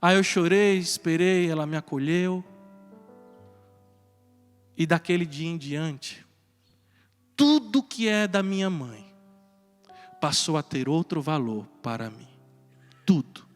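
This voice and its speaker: A man's voice: fairly high pitch, expressive, slow pace, pauses often. A man, a priest giving a homily at Mass and telling a personal story earnestly, chuckling now and then. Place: church. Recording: reverberant church with soft music.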